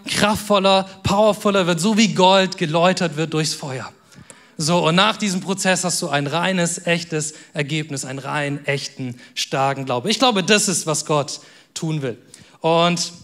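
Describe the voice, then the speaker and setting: A man preaching a sermon in a casual, youthful way, dropping to soft, quiet tones for weighty moments. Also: high voice. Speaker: pastor.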